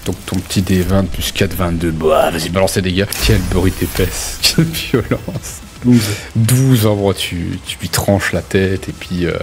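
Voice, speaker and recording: Narrating a tabletop role-playing game with music running under his voice, this game master speaks informally and delights in gory detail. His voice sits low and moves a little slowly, with a slight hiss or hum in the recording.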